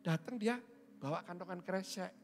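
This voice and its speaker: A man's voice: sits high, normal speed, a little hiss or hum. A middle-aged man preaching a sermon as a pastor, joking and teasing his congregation. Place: church hall. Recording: church hall with long reverb.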